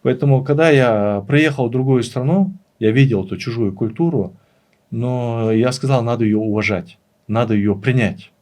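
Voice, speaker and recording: Earnest man with a mid-pitched voice, explaining. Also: normal speed, darkish tone. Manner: earnest, emphatic repetition of phrases. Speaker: interview guest, language teacher and author. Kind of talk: conversational interview, explaining and reminiscing.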